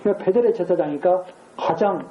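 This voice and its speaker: A woman's voice: fairly low pitch, quick pace, echoey room, lo-fi sound, a crowd in the background. A woman preaching a sermon in a conversational way, asking her listeners rhetorical questions and acting out quoted speech. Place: church sanctuary.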